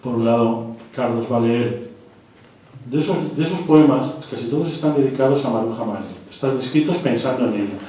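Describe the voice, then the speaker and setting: A man's voice: mid-range voice, a little fast, warm tone. A man giving a live literary lecture, talking in a hesitant way with repeated words and restarts. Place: lecture hall. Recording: echoey hall, mic far off.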